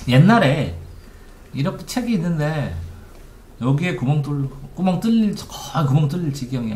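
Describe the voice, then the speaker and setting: A man's voice: medium pitch, a little mellow. A man giving an informal lecture on study methods as a coach, asking his listeners rhetorical questions. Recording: echoey room.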